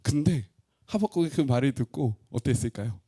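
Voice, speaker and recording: A man pastor preaching a sermon expressively, asking his congregation questions and swinging between loud and hushed. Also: mid-range voice, animated, moderate pace, slightly rough.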